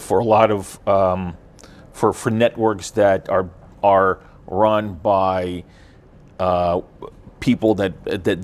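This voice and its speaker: This deep-voiced man from Ukraine, a native Russian speaker, is being interviewed casually about blockchain tech. His delivery stumbles, full of fillers and false starts.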